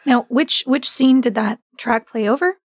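A woman's voice: a little high, a little slow, slightly rough, no room sound, clean studio sound. A woman hosting a conversational interview, putting questions to a guest. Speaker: interviewer, host.

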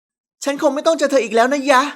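A woman's voice: high voice, drawn-out words, pushed and bright, voice pushed up, heavily acted. A woman voicing a scornful, hostile young female secretary in an audiobook. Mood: sneering. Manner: sneering, scornful.

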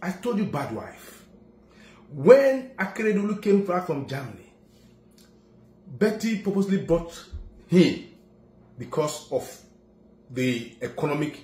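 A middle-aged man with a Nigerian accent giving emphatic political commentary, dropping to low solemn murmurs and rising to loud declarations. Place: indoor office room. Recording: echoey room.

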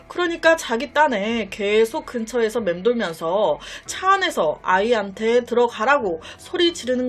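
Woman storyteller, high and very lively voice, chatty and dramatic, faint music underneath. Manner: chatty, dramatic, addresses viewers directly. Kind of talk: casual true-story narration.

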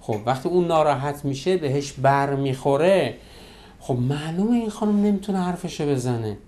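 Animated man lecturing on marriage. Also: fairly high pitch. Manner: animated, acts out couples' quarrels in quoted voices. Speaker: marriage counselor. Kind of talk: lecture on relationships.

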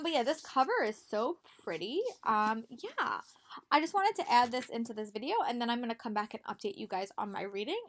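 A young woman who is a teacher and book vlogger chats casually in a reading vlog, full of fillers and restarts. Her slightly high voice has a fairly bright tone and is slightly hoarse from a cold. She records on a laptop webcam at close range in a small bedroom with bookshelves and posters.

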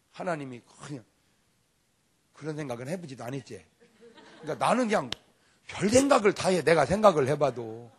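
A male pastor preaching a revival sermon at a live meeting. He is emphatic and humorous, swinging between loud exclamations and quiet asides. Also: a little high, husky.

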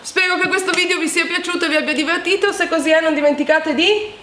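A woman's voice: very high voice, fast talker. A young woman hosting in a casual, playful, exclamatory way, chatting in a room at home. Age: young adult. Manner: animated, exclamatory. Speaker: video host playing a lip-reading game. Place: home living room with staircase, indoors. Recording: echoey room with background noise.

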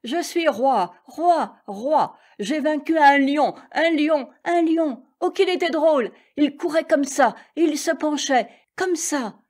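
A cheeky little gnat, as a woman puts him on, squeaky and gleeful as he mocks a far bigger foe. His voice sits up high and bounces with boastful excitement. A storybook reading. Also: slow, hardly any pauses. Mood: gloating. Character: cheeky tiny male gnat, boastful and mocking.

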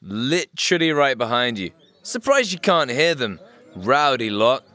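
A woman voicing a cheeky, matter-of-fact swan in a comedy cartoon, brisk and offhand. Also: a bass voice, sing-song, a bit bright, exaggerated voice. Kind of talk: animated comedy character acting.

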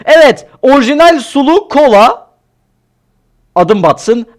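A man streaming a game live, excitable and talkative, yelping and shouting at the action while chatting to viewers. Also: very high-pitched, slow pace. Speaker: gaming streamer.

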